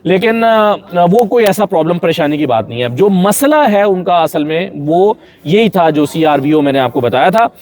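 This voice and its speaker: A man's voice: high voice, expressive, moderate pace, hardly any pauses, a little mellow. A man with a Pakistani accent giving conversational political analysis as a journalist, repeating phrases for emphasis.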